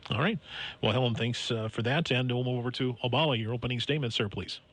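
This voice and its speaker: A man's voice: medium pitch, fast, fairly bright tone. A man hosting and moderating a candidate forum on AM radio, friendly and full of fillers.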